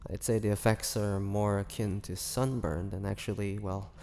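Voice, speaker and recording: Brooding male half-vampire, acted by a man for audio roleplay: gravelly, confiding, halting, with long hall reverb and faint noise. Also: fairly low pitch, little pitch movement, mellow, lightly acted. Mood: wry, reflective. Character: melancholy male half-vampire confiding his tragic past. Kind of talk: slow dramatic monologue, audio roleplay.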